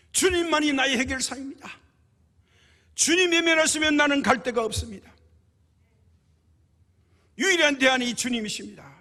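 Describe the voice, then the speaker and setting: A man's voice: sits high, a bit bright, breathy edge, heavily acted. A man in a church voicing a desperate mother who begs for help, pleading more urgently with each line. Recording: reverberant church hall.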